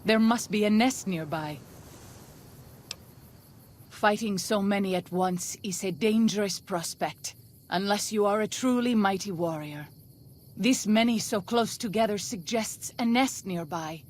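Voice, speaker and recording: A woman playing a proud, earnest tribal scout in a video game, speaking in formal, deliberate phrases. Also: mid-range voice, a little hiss or hum, close to an everyday voice. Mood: watchful, resolute. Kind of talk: video game dialogue acting.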